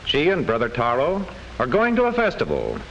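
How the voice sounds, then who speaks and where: Very animated film narrator, man. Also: medium pitch, fairly quick, low-quality recording. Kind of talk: scripted classroom film narration. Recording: old classroom film soundtrack, faint hiss.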